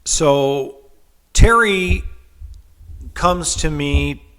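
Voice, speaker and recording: A man's voice: fairly high pitch, extremely slow, a bit bright, clean tone, poor audio. Congested man hosting a podcast. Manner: storytelling, frequent ums and restarts. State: congested from a head cold. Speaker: podcast host. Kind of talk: casual podcast monologue.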